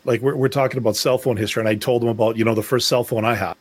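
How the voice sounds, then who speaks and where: A man's voice: medium pitch, fairly even intonation, rapid-fire, slightly rough. A middle-aged man co-hosting a podcast, talking in a rambling, reflective way with many restarts. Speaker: podcast co-host. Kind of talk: casual discussion.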